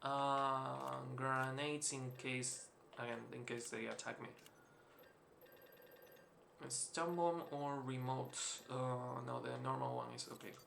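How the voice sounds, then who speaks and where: Gaming host, male, Spanish-influenced accent, bright edgy voice, loose swearing play-along chatter. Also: mid-range voice, fairly even intonation, takes it slowly, gravelly. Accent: mixed, Spanish-influenced. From Spain. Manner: rambling, swears freely, chuckles often. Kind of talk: casual let's-play commentary. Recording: roomy echo, faint hiss.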